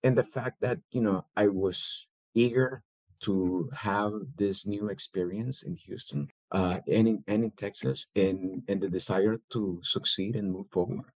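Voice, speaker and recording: Low-voiced man, dry close mic. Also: steady tone, a little slow, no room sound, rough recording. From El Salvador. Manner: thoughtful, with many fillers and restarts. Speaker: guest, business owner. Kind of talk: interview answers.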